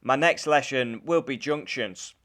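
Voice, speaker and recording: A man's voice: medium pitch, measured pace, a bit bright. A British man giving an informal, matter-of-fact account in a casual vlog style. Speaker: vlogger, learner driver.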